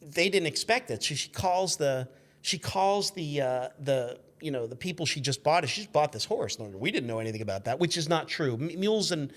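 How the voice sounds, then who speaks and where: A man in his fifties telling anecdotes in an animated, chatty way as a podcast guest. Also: a little high, a little fast. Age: 50s. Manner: chatty, acts out quoted shouts. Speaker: podcast guest, magazine editor.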